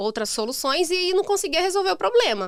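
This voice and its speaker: A woman's voice with very wide pitch swings. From Brazil, interior of Rondônia. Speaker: businesswoman and sales mentor. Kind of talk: interview.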